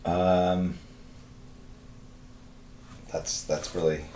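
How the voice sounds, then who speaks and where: In a flat, extremely slow delivery, a man in his fifties reads viewer messages on his live drawing stream, rambling casually through answers packed with fillers. His voice sits low with a dark tone, the room sounds spacious, and a faint hiss or hum runs underneath.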